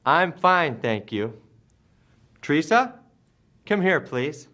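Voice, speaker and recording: A male teacher from the United States leading an English class, speaking slowly and deliberately and repeating words for his students. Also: a little high, very animated, pushed and bright. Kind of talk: slow classroom drill.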